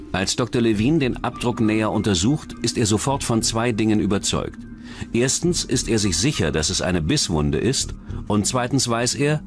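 A man reading scripted true-crime documentary narration as the narrator. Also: fairly low pitch. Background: background music.

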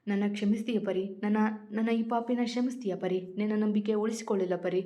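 A woman's voice: mid-range voice, fairly even intonation, a little fast, dark tone, natural voice. A woman voicing a remorseful grown son who weeps with regret, in a storybook reading. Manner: anguished, sobbing questions.

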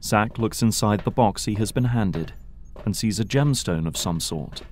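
A man's voice: fairly low pitch, normal speed, a little hiss or hum. A man giving dramatic scripted narration for an audio drama.

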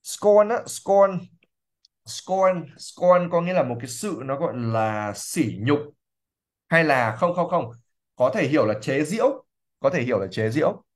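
A man explaining English words during a livestream reading lesson. He repeats words slowly and thinks aloud with fillers. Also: mid-range voice, animated. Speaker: English teacher.

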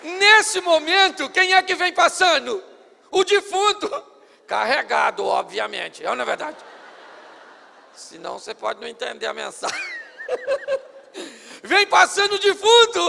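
High, gravelly man preaching. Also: expressive, measured pace, long pauses, bright, forceful tone, long reverb tail, a faint crowd, a little hiss or hum. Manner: theatrical, playful. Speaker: pastor. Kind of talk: sermon. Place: church service.

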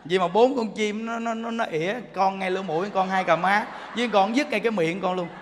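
A man's voice: high voice, brisk, slight background noise, lightly acted. A man voicing an elderly woman temple visitor who sheepishly confesses her bad luck, in an echoing hall. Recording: long hall reverb.

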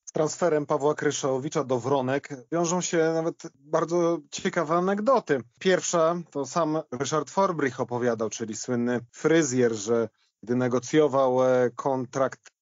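Higher-voiced man, dry muffled sound. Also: a little slow, dry recording. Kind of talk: conversational anecdote telling. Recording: dry, dull lo-fi audio.

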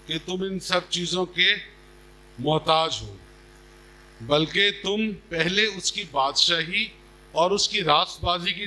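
A middle-aged man preaching a sermon in a measured, deliberate manner, speaking into a podium microphone. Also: fairly high pitch, bright, forceful tone, low-quality recording. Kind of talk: sermon with scripture reading. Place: stage at a church gathering. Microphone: podium microphone on a stand.

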